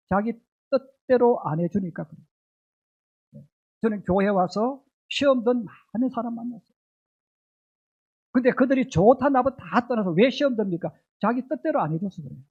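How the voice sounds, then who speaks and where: Middle-aged pastor guy preaching hard, high voice, kinda dull lo-fi church stream sound. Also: darkish tone. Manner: emphatic preaching with rhetorical questions. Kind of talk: sermon. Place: church sanctuary.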